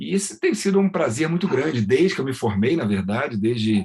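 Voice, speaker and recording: A somewhat breathy man's voice at medium pitch, with very wide pitch swings, a fairly quick pace and a quiet background. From Brazil, Rio de Janeiro. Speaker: organizational psychologist and professor. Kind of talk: podcast interview.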